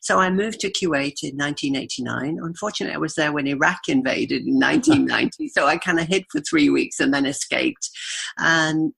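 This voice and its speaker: A woman's voice: sits low, animated, fairly quick, creaky, fairly bright tone, slightly rough. A woman in her fifties with a Yorkshire accent, chatting as a guest and telling stories with frequent laughs. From Yorkshire, England. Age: 50s. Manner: chatty, laughs often, storytelling. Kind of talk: podcast interview.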